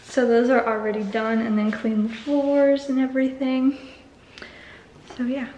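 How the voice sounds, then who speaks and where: A young woman narrates a casual walk-through vlog with a camera at arm's length. She talks slowly, a little high, and giggles between remarks. Bare, echoey rooms ring around her voice. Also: flat delivery, dark tone, muffled recording, slight background noise. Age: young adult. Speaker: vlogger. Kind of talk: casual vlog, house tour. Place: car, then empty house with bare rooms. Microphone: handheld camera at arm's length.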